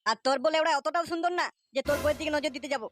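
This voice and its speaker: A man's voice: very high voice, racing, a bit bright, faint music behind. A man voicing a shifty village womanizer who plays innocent in a comic cartoon, with a West Bengal accent and a mocking, evasive manner. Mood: defiant. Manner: mocking, evasive, stammers when cornered.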